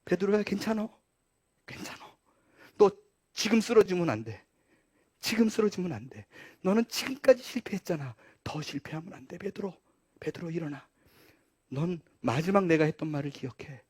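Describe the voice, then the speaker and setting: Pastor playing a gentle Jesus, hushed and soft, pleading warmly, dry close sound. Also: male voice, sits high, animated, normal speed, pauses often, breathy edge, no echo. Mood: tender. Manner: pleading, reassuring. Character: gentle consoling male Jesus, tender.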